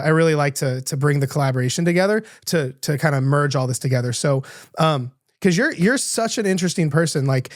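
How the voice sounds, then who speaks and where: A man's voice: a little high, no echo, clean studio sound. A man hosting a podcast interview, enthusiastic and rambling, with lots of restarts. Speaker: podcast host.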